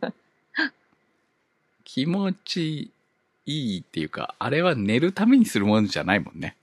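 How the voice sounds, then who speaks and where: A man hosting a casual chat, relaxed and joking, with chuckles between his remarks. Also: medium pitch, measured pace, husky, dry recording. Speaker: podcast host.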